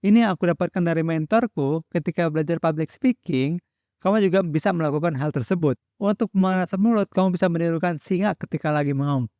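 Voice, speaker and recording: A man's voice: fairly high pitch, quick pace, a little mellow, dry recording, studio quality. A young man from Indonesia giving a direct, friendly solo tutorial on public speaking to camera. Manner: direct, addresses viewer as friend, instructive. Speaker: content creator teaching public speaking.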